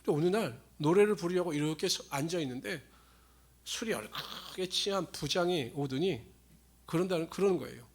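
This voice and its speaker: A middle-aged man delivers a church sermon with his voice set a little high. He tells plain stories from daily life to his congregation, then reads long scripture passages aloud in a lifted, declaiming voice. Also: lively intonation, a little fast. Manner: storytelling, then reading scripture aloud in a raised voice. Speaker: pastor.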